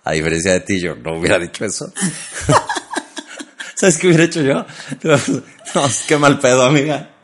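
A man's voice: medium pitch, very animated, measured pace, long pauses, fairly bright tone. A young Mexican man co-hosting a comedy podcast, teasing and laughing often in casual chat. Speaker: podcast co-host.

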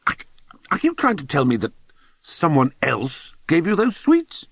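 A man's voice: on the high side, huge pitch swings, measured pace, vocal fry, slightly rough, dry recording, pitched above the performer's own voice, exaggerated voice. A man voicing an exasperated, sarcastic, pompous old-school schoolmaster with an English accent in an audiobook. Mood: incredulous frustration.

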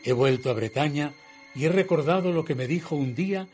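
An actor playing a reflective gentleman who narrates his own eerie tale in a radio drama, in a measured, literary manner. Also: fairly high pitch, faint music behind, natural voice. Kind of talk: scripted first-person radio drama narration.

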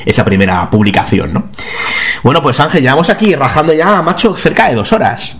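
Fast-talking Spanish man interviewing. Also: mid-range voice, big pitch swings, fairly bright tone. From Spain. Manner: rapid, with many repeated "sí, sí". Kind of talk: casual interview chat.

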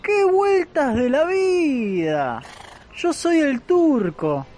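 A man's voice: extremely high pitch, extremely slow, full character voice. Man acting a swooping, chummy Argentine fairground trader. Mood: friendly, surprised. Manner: chummy, colloquial, expressive. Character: friendly, grateful male travelling fairground trader. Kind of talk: radio play acting.

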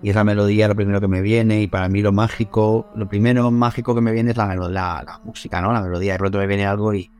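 A man's voice: on the low side, level tone, fast talker, few pauses, darkish tone, smooth. A man from Spain, a musician, speaking reflectively in an interview and often repeating words as he searches for them. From Albacete, Spain. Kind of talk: interview answers.

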